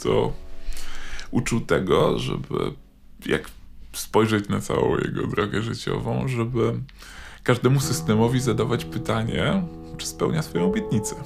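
A man giving reflective commentary deliberately, building points through rhetorical repetition. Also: medium pitch, very animated, gravelly. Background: plucked guitar music.

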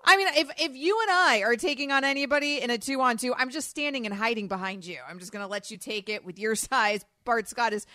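A woman co-hosting sports talk radio, with a teasing, emphatic delivery and a slightly high voice. The sound is dry and close. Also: a little fast, hardly any pauses, pushed and bright, no echo. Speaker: radio sports show co-host.

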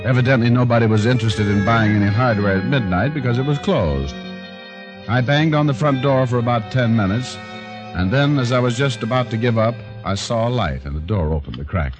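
An actor playing a wisecracking, hard-boiled private eye who also narrates, in a 1940s-style radio drama. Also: male voice, mid-range voice, animated, a little fast, lightly acted. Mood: narrating. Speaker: private detective. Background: music score.

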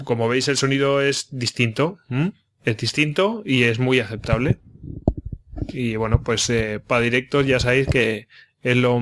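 A man's voice: mid-range voice, a bit bright. A man, a podcast host giving a casual spoken tutorial, talking chattily with many fillers and restarts into a dynamic microphone on a stand. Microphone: dynamic studio microphone on a stand.

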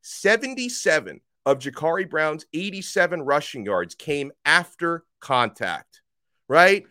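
A man hosting a college football podcast, slightly hoarse, talking with emphatic energy that rises toward near shouts. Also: fairly high pitch, big pitch swings, unhurried, dry recording, studio quality. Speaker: sports podcast host. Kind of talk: college football talk with ad read. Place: radio studio.

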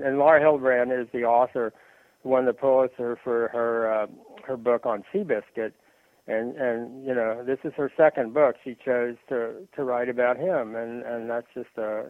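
A man talking sports on a radio show, halting and full of fillers and restarts. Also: medium pitch, no echo. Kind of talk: rambling sports talk on phone. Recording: tinny phone line.

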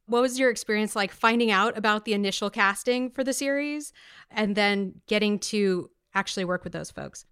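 A woman's voice: mid-range voice, moderate pace, a bit bright, clear, resonant tone. A woman hosting an interview, asking conversational questions in an upbeat, complimentary way. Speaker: podcast interviewer, host.

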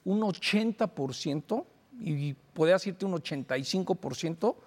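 A man's voice: high voice, animated, normal speed, darkish tone. A man commenting on football in a heated debate, teasing and playful. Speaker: sports commentator.

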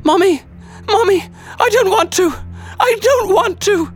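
A man's voice: extremely high pitch, a little slow, faint music behind, voice pushed up. A man voicing a terrified small boy in a fantasy audiobook. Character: terrified small boy screaming for his mother.

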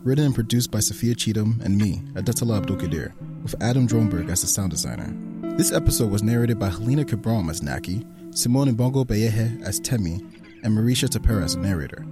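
A man reading scripted closing credits as a podcast's writer and producer. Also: fairly low pitch. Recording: guitar theme music behind.

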